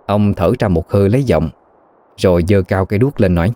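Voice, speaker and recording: Male narrator, very low, dry close read, steady storytelling. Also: brisk, no echo. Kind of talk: scripted narration of a ghost story.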